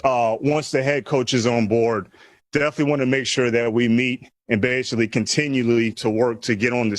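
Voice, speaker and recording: A man in his forties giving a measured, emphatic press conference speech as a new general manager, stressing key words. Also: mid-range voice, dry recording.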